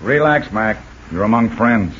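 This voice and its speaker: A man playing a tough, brisk American jungle adventurer in old-time radio drama style. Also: fairly low pitch, animated, a bit bright. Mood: determined. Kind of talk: 1940s radio acting. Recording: dull old radio recording, faint hiss.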